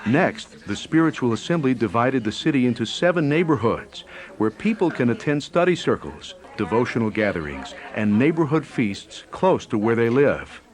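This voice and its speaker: A man's voice: mid-range voice, sing-song, normal speed. A man reading scripted narration for a newsreel as its narrator. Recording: music bed under narration. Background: faint music.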